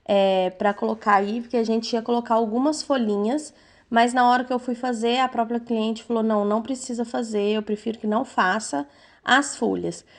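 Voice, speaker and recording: A woman's voice: on the high side, steady tone, normal speed. A woman teaching cake decorating in a casual voice-over, slightly nasal from a cold, checking in with her viewers after almost every sentence. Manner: chatty, frequent "tá?" and "né" check-ins.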